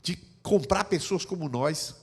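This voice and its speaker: A man preaching a sermon as pastor, swinging between hushed, intimate passages and loud, impassioned ones. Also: on the high side, measured pace, slightly rough. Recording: long hall reverb.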